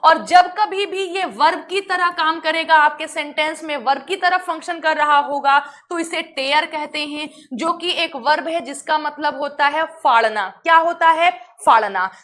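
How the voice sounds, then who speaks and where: Energetic woman English teacher, high bright voice, quizzes the class then answers herself. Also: measured pace, hardly any pauses. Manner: energetic, asks and answers her own questions. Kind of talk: online English lesson.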